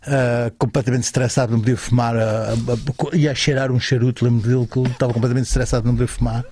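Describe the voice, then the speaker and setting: A man from Alentejo, Portugal, appearing as a guest in a casual chat, telling stories in a rambling, animated way with many restarts and fillers. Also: mid-range voice, racing, slight background noise.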